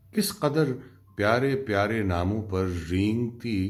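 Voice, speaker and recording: A man is speaking. Music plays in the background. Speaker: voice-over artist. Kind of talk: poetry reading. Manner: poignant, measured.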